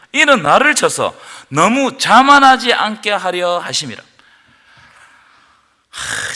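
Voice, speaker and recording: A man preaching a Friday prayer meeting sermon, rising to loud, impassioned outbursts and prompting his congregation to answer. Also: very high-pitched. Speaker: pastor. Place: church sanctuary. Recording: long reverb of a church hall.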